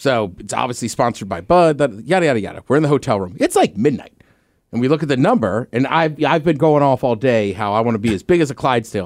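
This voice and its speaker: A man talks at a very fast pace with an American accent. His medium-pitched voice has lively intonation. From Washington D.C. area. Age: 40s. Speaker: radio host. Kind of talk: casual chat.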